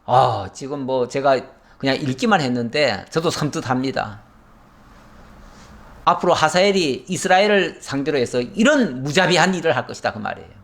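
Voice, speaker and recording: Animated Korean pastor preaching. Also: male voice, normal speed, creaky. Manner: animated storytelling, acts out dialogue with rising pitch; drops voice low and soft at sentence ends. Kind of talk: expository Bible sermon.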